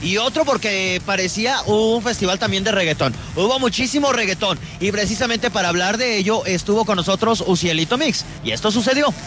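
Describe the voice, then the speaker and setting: A man's voice: high-pitched, fairly quick, few pauses, background noise. A man with a Mexican accent presenting live radio in a casual, chatty way. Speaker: radio host.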